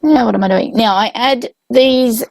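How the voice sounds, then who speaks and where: Hoarse, gravelly woman narrating her crafting. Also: a little high, moderate pace, darkish tone. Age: adult with a young child. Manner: rambling, self-correcting, many ums. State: hoarse, voice coming and going from illness. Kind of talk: casual voice-over narration of a craft video.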